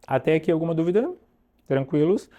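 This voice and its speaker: A man teaching an online English lesson, drilling pronunciation slowly and checking in with "ok?" often. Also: fairly high pitch, lively intonation, narrow, tinny audio.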